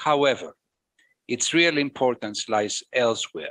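The tone is bright and sharp, with lively intonation, in a Greek accent. The background is quiet. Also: man. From Greece. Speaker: government minister. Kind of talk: keynote speech. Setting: video call. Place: office. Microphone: headset.

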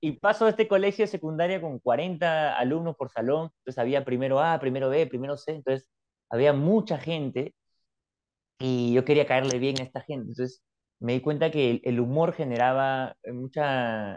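A man speaks in a fairly high register. The background is quiet. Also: moderate pace. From Peru, Lima (San Miguel); Lima, Peru. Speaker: comedian and stand-up teacher; comedian, stand-up teacher. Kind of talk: interview. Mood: relaxed, smiling storytelling. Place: home room. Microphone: video call.

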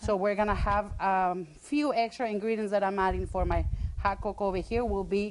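The speech runs at a moderate pace with ordinary pitch variation. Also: woman.

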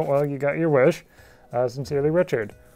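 Faint music sits in the background. A man talks over it. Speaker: video host. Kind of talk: casual vlog chat. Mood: amused, upbeat. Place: studio.

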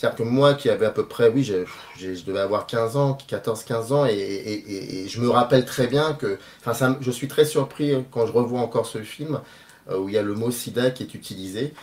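Pitch varying in an ordinary way, a man talks at a moderate tempo. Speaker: channel host. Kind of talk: interview commentary. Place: home room.

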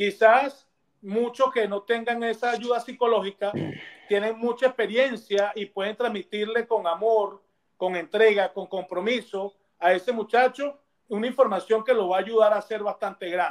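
The speaker keeps a fairly even intonation against a quiet background. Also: man. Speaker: baseball academy director, former pro player; guest. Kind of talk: interview. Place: home room. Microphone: earbuds.

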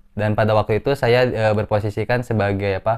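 The background is quiet. A man speaks with monotone, flat intonation. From Indonesia, Bandung (West Java); West Java, Indonesia. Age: 20s. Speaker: student activist; interviewee. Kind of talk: casual interview. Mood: relaxed casual chat. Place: home room.

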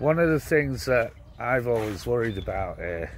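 A man at a fairly slow pace, with very wide pitch swings and noticeable background noise. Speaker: vlogger and farmer. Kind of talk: casual vlog talk to camera.

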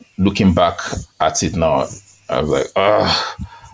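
A man keeps a moderate pace while noticeable background noise plays behind him. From Nigeria, Port Harcourt. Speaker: author. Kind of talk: interview answer. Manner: soft-spoken.

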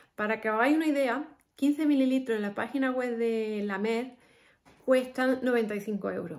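A woman with a high pitch speaks at a fairly slow pace, her pitch varying in an ordinary way. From Spain. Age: middle-aged. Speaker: beauty youtuber; beauty vlogger. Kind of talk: product review vlog. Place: home room. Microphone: phone near.

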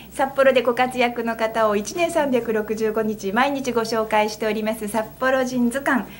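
Over light background noise, a woman talks at a fairly quick pace with fairly even intonation and hardly any pauses. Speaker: interview host. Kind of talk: interview host talk. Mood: cheerful, smiling. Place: studio. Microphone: studio mic.

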